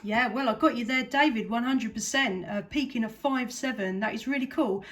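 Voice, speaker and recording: A woman's voice: a little high, moderate pace. A woman chatting casually as a CB radio operator. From southeast England. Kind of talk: casual radio contact chat. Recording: CB radio session with clear static noise. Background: radio static.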